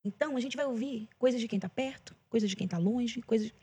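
A woman's voice: on the high side, quick pace, warm tone, husky. A Brazilian woman who is a gospel singer, sharing an emotional testimony in a casual chat and repeating phrases for emphasis. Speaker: gospel singer, podcast guest.

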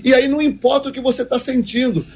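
A man's voice: extremely high pitch, steady tone, quick pace, slightly rough. A man giving a devotional teaching talk as a preacher, speaking emphatically and repeating key phrases for weight.

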